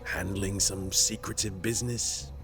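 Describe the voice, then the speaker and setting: A slow-talking, teasing warrior comrade. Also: male voice, low-pitched, steady tone. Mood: easygoing. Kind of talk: video game voice acting. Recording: music behind the voice.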